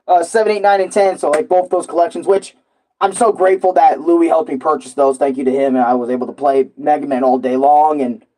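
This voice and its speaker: A man rambling casually and excitably on a live stream, full of slang and repeating himself. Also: fairly high pitch, brisk, low-quality recording. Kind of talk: casual, rambling live stream chat about comics and games.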